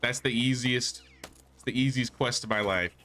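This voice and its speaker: A man's voice: mid-range voice, steady tone, normal speed, bright, forceful tone. A man giving casual, laid-back, slangy commentary while livestreaming a game. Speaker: game streamer. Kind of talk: casual livestream gaming commentary, reading quest dialogue aloud.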